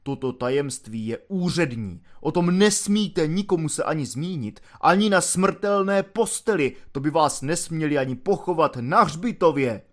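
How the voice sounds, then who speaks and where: Audiobook role: man playing a bossy, self-important sergeant, lively and loud when barking orders. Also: on the high side, lightly acted. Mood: solemn. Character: pompous stern male gendarme sergeant.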